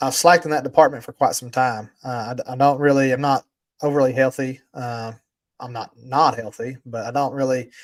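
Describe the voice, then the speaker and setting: In a very clean recording with a silent background, a man with a normal speaking voice talks at a fairly quick pace with a medium pitch, fairly even intonation and big swings in loudness. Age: 30s. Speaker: podcast host for pressure washing business owners. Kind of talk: casual podcast chat.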